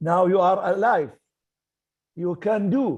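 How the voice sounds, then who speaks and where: A man is talking. Ordinary variation marks his pitch. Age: 60s. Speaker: religious lecturer. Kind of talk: religious talk to students.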